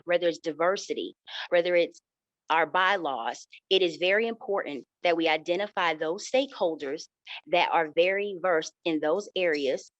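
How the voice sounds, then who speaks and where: A woman answering candidate questions in a formal, measured way, repeating set phrases. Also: low voice, dry recording, dull audio. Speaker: board candidate.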